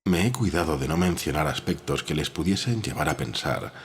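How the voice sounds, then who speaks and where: A man playing a calm, analytical editor in an audio drama, speaking in a measured, reflective way. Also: a bass voice, husky, exaggerated voice. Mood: puzzled.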